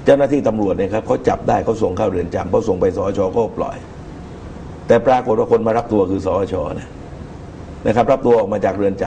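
A middle-aged man giving measured political commentary as a guest in a TV studio talk show, speaking into a lapel mic. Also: fairly low pitch, mellow, slight background noise. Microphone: lapel microphone.

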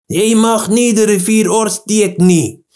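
A man's voice: sits high, fairly even intonation, slow, darkish tone, voice pushed up. A man voicing a curt, territorial crocodile in a children's storybook. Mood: curt, menacing. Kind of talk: child-friendly Afrikaans storybook reading.

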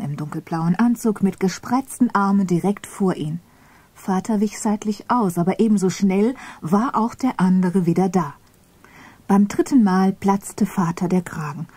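Woman whisper-reading a memoir, breathy dark soft voice, dry close sound. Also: mid-range voice, normal speed, no echo. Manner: hushed, mostly whispered narration. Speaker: reader of a memoir.

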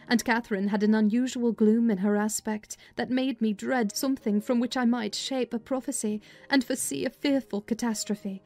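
Mellow woman narrating a classic novel. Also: on the high side. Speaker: audiobook narrator. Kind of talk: dramatized reading of a classic novel, first person. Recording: music under the voice.

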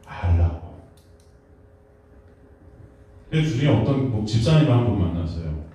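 A man in his thirties preaching a sermon as pastor, animated, dropping to a hush and then rising to shouted questions. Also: fairly low pitch, normal speed. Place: church hall in a basement. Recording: echoey hall, mic far off.

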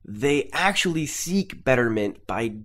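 A man plays an earnest, polite Canadian TV interviewer with a Canadian accent. He stammers and restarts as he presses his questions, his voice at a middle pitch but lively in its rise and fall. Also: a little slow.

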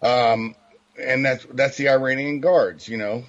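A man's voice: mid-range voice, fairly even intonation, unhurried. A man who is a guest on a political talk show, speaking bluntly and in a matter-of-fact way. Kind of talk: political talk radio chat. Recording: dull lo-fi line.

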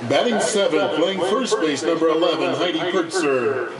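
A man's voice: on the high side, normal speed. A middle-aged American man working as a public-address announcer, reading out team lineups formally and drawing out the players' names. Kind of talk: announcing softball starting lineups. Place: stadium press box. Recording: echoey, distant mic, loud crowd noise.

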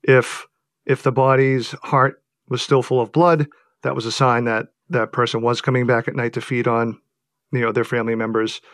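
A man's voice: medium pitch, little pitch movement, moderate pace, fairly bright tone, no echo, studio quality. A man who is an author and a guest on the show, answering thoughtfully and hesitantly, with frequent fillers. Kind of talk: interview answers.

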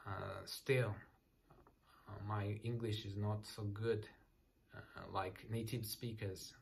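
A man in his thirties from Japan with a Japanese accent, speaking English softly and hesitantly at night in a small apartment room, searching for words with many fillers. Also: fairly low pitch, level tone, slow, gravelly, a little hiss or hum. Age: 30s. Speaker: English learner. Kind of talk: casual self-introduction to camera.

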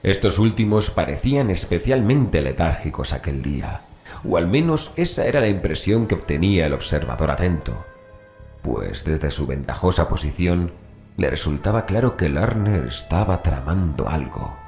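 A man's voice: low-pitched, big pitch swings, moderate pace, a little mellow. A man narrating a scripted horror story as an audiobook narrator, with music behind him. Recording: voice over background music.

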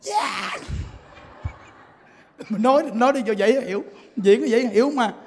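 High-voiced man preaching in a reverberant hall. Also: a little fast. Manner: animated, laughing storyteller. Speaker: Buddhist preacher. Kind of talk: sermon.

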